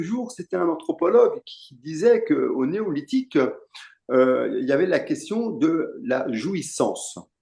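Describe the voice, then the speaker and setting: A man speaking at a very slow pace. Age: 60s. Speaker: discussion participant. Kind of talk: group discussion. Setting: video call.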